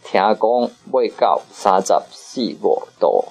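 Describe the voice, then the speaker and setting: A man teaching Hokkien in a casual lesson, patiently repeating phrases slowly for his learner. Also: fairly low pitch, animated, gravelly, darkish tone, soft background music, poor audio.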